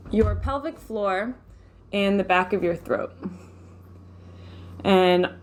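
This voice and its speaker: A woman leading a guided meditation, speaking gently and without hurry, giving instructions with pauses. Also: mid-range voice. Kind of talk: guided meditation, live session.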